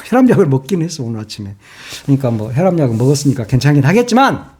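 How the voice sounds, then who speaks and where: A man's voice: mid-range voice, very animated, very fast, darkish tone, breathy edge. An older man, a former broadcaster turned online commentator, ranting and scolding in sarcastic rhetorical questions.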